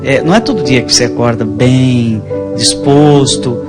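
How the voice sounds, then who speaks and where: A man with a Brazilian accent, a priest, talking conversationally about faith and telling stories in a halting, rambling way. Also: medium pitch. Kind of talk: conversational religious storytelling. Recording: music playing behind the voice.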